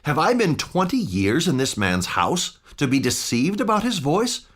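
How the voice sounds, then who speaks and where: A man's voice: on the high side, wildly swooping pitch, moderate pace, fairly bright tone, pitched above the performer's own voice, heavily acted. A man voicing an anxious older butler who pleads urgently and fearfully.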